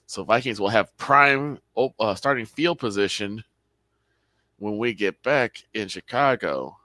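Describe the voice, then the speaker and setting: A young man gives casual color commentary, breaking down calls in a chatty way. His voice is on the low side. It is recorded dry, with no room sound. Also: expressive, unhurried, pushed and bright, no room sound. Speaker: sports show co-host.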